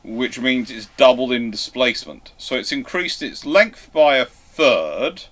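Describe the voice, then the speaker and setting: Halting man thinking aloud. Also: mid-range voice, expressive, fairly bright tone. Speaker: host of a live question and answer stream. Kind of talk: casual live discussion.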